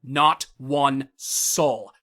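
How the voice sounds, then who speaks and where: A man's voice: mid-range voice, fairly even intonation, drawn-out words, bright, forceful tone. Casting: male actor as ruthless loan shark for audio drama, smugly cruel, condescending false courtesy that flips to menace. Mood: threatening, angry. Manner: mock-courteous and condescending, erupting into menacing outbursts.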